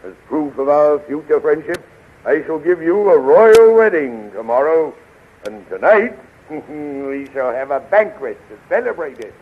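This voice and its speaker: A man's voice: a little high, lively intonation, unhurried, phone-quality sound. An actor playing a boisterous, regal king of winged men in a 1930s radio serial, grandiose and hearty, on a scratchy old recording. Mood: jovial, commanding.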